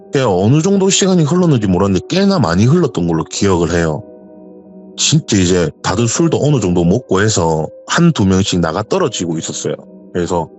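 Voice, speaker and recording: A man, casually telling a true ghost story and acting out the voices of the people in it. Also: deep voice. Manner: animated retelling, acts out quoted voices.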